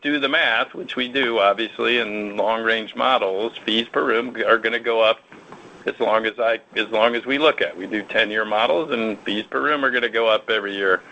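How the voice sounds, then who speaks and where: A man's voice: on the low side, normal speed, sharp tone, a little hiss or hum. An American man, a company executive, answering analyst questions in a conversational, self-assured, explanatory way. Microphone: conference call line. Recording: dull lo-fi conference call audio.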